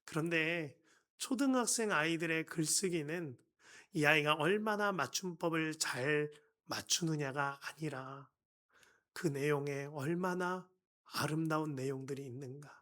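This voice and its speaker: A man preaching a dawn sermon as a pastor, telling a story with animated delivery and acting out quoted lines, swinging between loud and hushed. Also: fairly high pitch, measured pace.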